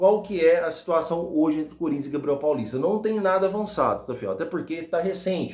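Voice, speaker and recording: The speaker moves at a fairly quick pace with ordinary pitch variation and hardly any pauses. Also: man, high pitch for a man. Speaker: football news YouTuber. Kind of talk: casual vlog commentary.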